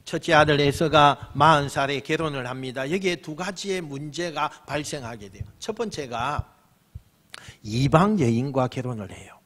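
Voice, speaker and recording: Male pastor, sermon, emphatic, repeats himself, high voice. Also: a bit bright. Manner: emphatic, repeats phrases, questions the congregation. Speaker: senior pastor.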